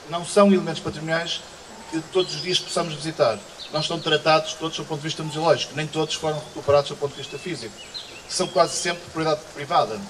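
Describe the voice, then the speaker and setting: A man in his forties with a European Portuguese accent gives a public speech as festival director in an outdoor garden, speaking earnestly into a stand microphone with frequent restarts and hesitations. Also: fairly high pitch. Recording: distant mic, outdoor insect and bird noise. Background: insects buzzing and birds.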